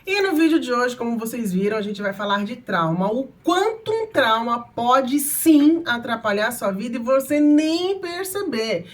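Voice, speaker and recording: A woman's voice: fairly high pitch, moderate pace, hardly any pauses. A woman in her thirties with a Brazilian accent, hosting her channel and telling a personal story with strong emotion. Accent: Brazilian Portuguese. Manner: emotional, animated, shifts between soft and loud. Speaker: channel host.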